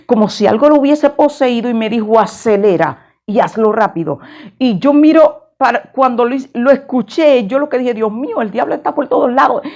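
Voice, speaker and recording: A woman's voice: a little high, darkish tone. A middle-aged woman pastor, telling a dramatic sermon testimony and acting out the voices in it.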